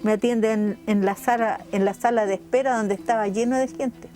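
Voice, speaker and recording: A woman's voice: fairly high pitch, fairly even intonation, normal speed, dark tone, faint music behind. An older woman with a Chilean accent gives a heartfelt documentary testimony, acting out the dialogue as she tells it. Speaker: mother of a political prisoner.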